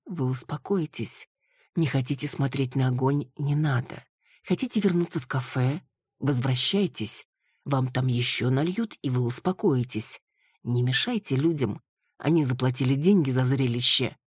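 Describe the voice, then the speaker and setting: A woman's voice: a bass voice, slightly rough, no room sound, clean studio sound. A woman doing a cold, mocking guide. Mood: condescending. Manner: slow, syllable-by-syllable, condescending.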